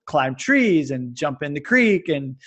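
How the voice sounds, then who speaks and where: A man's voice: a little high, sing-song, unhurried, fairly bright tone. A man in his forties from Kansas, chatting as a podcast guest in a loose, rambling way. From Kansas, USA. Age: 40s. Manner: rambling, self-described babbling. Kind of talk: casual conversation.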